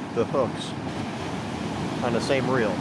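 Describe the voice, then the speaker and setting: A man speaks over loud background noise. The sound itself is dry, with no echo. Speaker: fishing vlogger. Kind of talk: casual vlog chat. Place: beach. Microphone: phone near.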